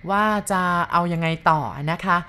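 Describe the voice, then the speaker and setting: Woman telling a ghost story to listeners, polite and chatty, lowish voice. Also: steady tone, normal speed, pushed and bright, smooth. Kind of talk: spoken ghost story narration.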